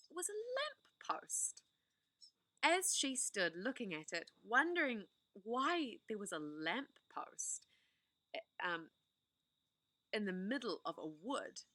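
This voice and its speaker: A woman reading a children's novel aloud, expressive, with the odd small slip. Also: mid-range voice, no room sound. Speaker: storybook reader.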